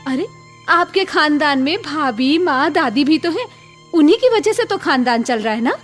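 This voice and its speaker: A tired, protective mother in a radio play. Her high voice moves expressively as she pleads and gently reproaches. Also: animated, normal speed, soft background music. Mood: reproachful. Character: weary, protective wife and mother of a baby. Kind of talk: Hindi radio drama acting.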